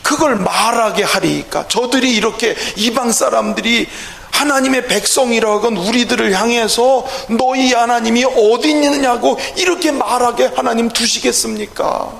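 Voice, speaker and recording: High-pitched, gravelly man preaching. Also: normal speed, fairly bright tone. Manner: emphatic preaching with rhetorical questions and calls of hallelujah. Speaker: pastor. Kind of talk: evening worship sermon. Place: church sanctuary. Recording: echoey church hall, faint ambience.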